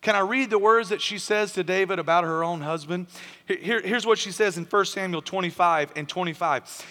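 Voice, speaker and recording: Bright-voiced preacher in an echoing hall. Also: male voice, high-pitched, a little fast. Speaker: pastor. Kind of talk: sermon.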